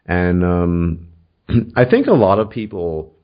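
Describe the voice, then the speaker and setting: A man hosting a casual, opinionated discussion in a measured, somewhat hesitant way. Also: low-pitched. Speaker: host of a political video channel. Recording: dull, lo-fi audio.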